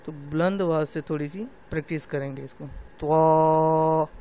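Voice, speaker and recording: A man's voice: a little high, a little mellow. A middle-aged man teaching Quran recitation to women, patiently explaining and drawing out letter sounds. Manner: slow drawn-out demonstration of letter sounds; patient, repeats "theek hai" often. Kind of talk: tajweed lesson for women.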